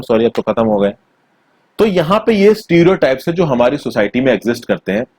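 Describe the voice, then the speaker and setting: A man teaching a school textbook chapter in a conversational way, mixing in English terms, recorded on a close mic in a small quiet room. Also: mid-range voice, dry recording. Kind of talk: textbook lesson explanation.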